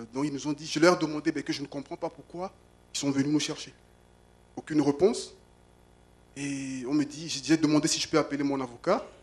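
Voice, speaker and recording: The man's intonation stays monotone and flat. His words come at a fairly quick pace. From Togo. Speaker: church member giving testimony. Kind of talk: testimony. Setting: church. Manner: halting. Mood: earnest, recounting hardship. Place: church. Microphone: handheld.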